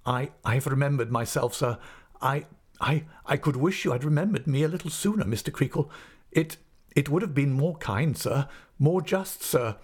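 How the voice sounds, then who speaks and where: An anguished schoolmaster from a storybook acted out by a man reading aloud. His voice rides high and swoops with indignation. He is formal and tremulous, tripping over words as he clings to his dignity. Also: sing-song, brisk, darkish tone. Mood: agitated, pleading. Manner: agitated, stammering, formal. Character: anguished adult male schoolmaster, indignant, trembling, wounded dignity.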